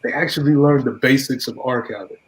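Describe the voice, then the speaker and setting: A man, the program's director, giving a measured graduation speech with frequent fillers and restarts. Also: mid-range voice. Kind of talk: ceremony speech. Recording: dull lo-fi sound.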